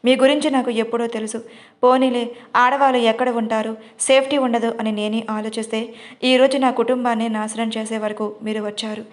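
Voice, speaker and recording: A woman acting out a grieving young man in a storybook audio drama, hurling loud accusations in a flat, level voice pitched fairly high. His fury stays even rather than swinging up and down. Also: normal speed, close to an everyday voice. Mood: furious.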